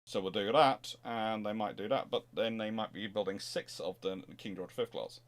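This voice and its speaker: A man hosting an unscripted history talk, answering questions in a rambling, halting way as he thinks aloud. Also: on the low side, steady tone. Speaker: host answering audience questions.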